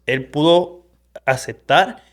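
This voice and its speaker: A man's voice: a little high, takes it slowly. A man hosting a Christian podcast interview, reflective and mixing English words into his Spanish. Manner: reflective, talks about his own habits. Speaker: podcast host.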